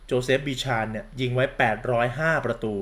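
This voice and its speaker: A man's voice: mid-range voice, a little fast, a bit bright. A campy man gives a sarcastic, crude-mouthed football commentary rant, calling himself big sister. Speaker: football vlogger.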